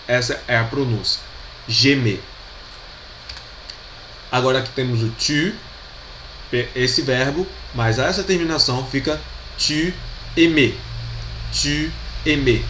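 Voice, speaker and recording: Man, Brazilian accent, French teacher, slow and patient, repeats every word, echoey room, faint hum. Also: mid-range voice, fairly bright tone. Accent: Brazilian Portuguese. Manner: patient, repeats each pronunciation and checks with "certo?". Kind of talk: video lesson explaining grammar. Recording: roomy echo with faint background hum.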